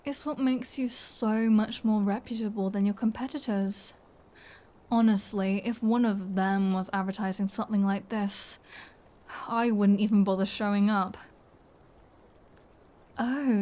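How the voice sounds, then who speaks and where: Slow, mellow, flirty vampire woman, acted. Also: mid-range voice, fairly even intonation, natural voice. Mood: smooth, appreciative. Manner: playful, smug, teasing, dropping into breathy whispers. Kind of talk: scripted ASMR audio roleplay.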